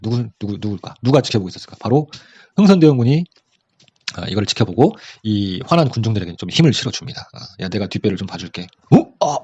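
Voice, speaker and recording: Fast-talking man giving a chatty history lesson. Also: medium pitch, warm tone, husky, no echo, muffled recording. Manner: fast, chatty, acts out quotes with voices. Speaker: history lecturer. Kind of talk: casual exam-prep history lecture.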